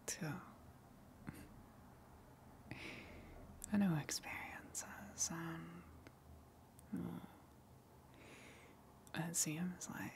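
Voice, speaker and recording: A woman playing a gentle eldritch tentacle monster in an ASMR roleplay, coaxing and soothing in a breathy whisper with long pauses. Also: on the low side, a little hiss or hum, heavily acted. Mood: soothing, knowing.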